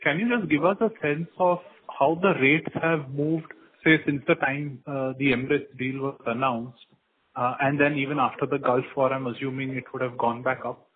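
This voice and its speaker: A man, an analyst asking direct, brisk questions on an earnings call. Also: medium pitch, steady tone. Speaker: analyst caller. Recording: telephone line with faint noise.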